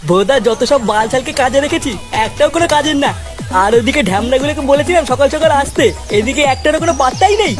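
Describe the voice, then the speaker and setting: A man's voice: very high voice, fast talker, music in the background. A man voicing a bad-tempered, foul-mouthed father who bosses and scolds everyone in a comic cartoon. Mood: irritated, bossy. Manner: scolding, swearing constantly.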